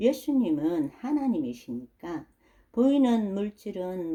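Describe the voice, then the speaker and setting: Her tone dark and mellow, a woman speaks at a very slow pace with very wide pitch swings. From South Korea, Daegu. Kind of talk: devotional sermon-style talk.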